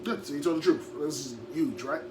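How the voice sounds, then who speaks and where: An energetic man hosting a casual interview, chatty and upbeat, often saying "like" and "yo". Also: fairly high pitch, brisk. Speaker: motivational speaker and interviewer. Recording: distant mic with noise and hum.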